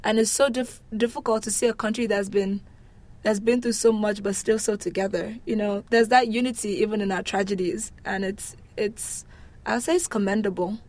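A woman's voice: medium pitch, steady tone, normal speed, a little mellow. A woman from Nigeria, talking casually and with wry humour as she answers interview questions. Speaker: interviewee describing her home country.

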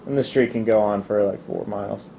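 A young man answers interview questions in a relaxed, stop-and-start way, filling the gaps with ums and uhs. His voice is deep-toned and very mellow. A faint rumble sits under the recording. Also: creaky, rough recording. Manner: relaxed, halting, many fillers and restarts. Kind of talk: casual interview.

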